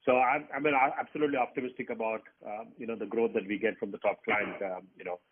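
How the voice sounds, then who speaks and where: Husky male executive on phone line. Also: lowish voice, fairly even intonation, fast. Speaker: company executive answering analysts. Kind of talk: earnings call answer, unscripted. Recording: tinny phone conference line.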